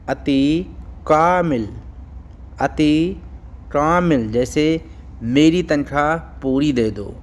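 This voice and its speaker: Very slow, deliberate male language teacher. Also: medium pitch, darkish tone, a little hiss or hum. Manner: slow, deliberate, repeats each phrase. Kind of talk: phrase-by-phrase language lesson.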